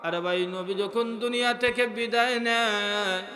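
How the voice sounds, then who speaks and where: A male Islamic preacher delivers a half-sung sermon in a bright, forceful voice. He stretches his phrases slowly and swells into impassioned cries. The sound echoes heavily, as if through a sound system. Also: high voice, fairly even intonation. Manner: melodic chanting with drawn-out calls, swelling into loud impassioned cries. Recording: echoing sound system, faint music.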